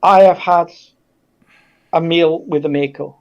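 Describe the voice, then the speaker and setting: A man speaking in a halting, reflective way as a guest in a casual discussion. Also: on the high side, steady tone, muffled recording.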